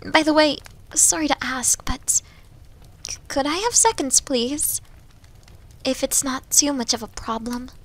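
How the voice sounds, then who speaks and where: A woman's voice: sits high, a little slow, pauses often. A woman voicing a shy, starving young wolf girl in an ASMR roleplay, hesitant, apologetic and stammering, often slipping toward a whisper. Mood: apologetic, self-deprecating. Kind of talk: ASMR roleplay audio drama.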